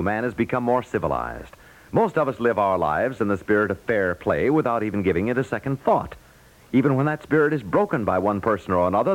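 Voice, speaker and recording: A man's voice: fairly low pitch, poor audio. An American man reading a scripted 1950s network radio promo as an announcer.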